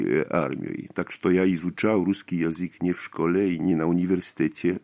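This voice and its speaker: A man's voice: sits low, darkish tone. A man in his fifties, a native Polish speaker with a Polish accent, answering interview questions hesitantly with many fillers and restarts. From Poland. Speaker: interview guest, writer.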